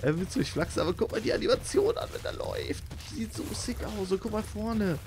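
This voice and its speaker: A young man giving excitable, slangy commentary while playing a video game as a channel host. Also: high-pitched, fairly quick, a little hiss or hum. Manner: excitable, slangy, frequent exclamations. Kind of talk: let's play commentary.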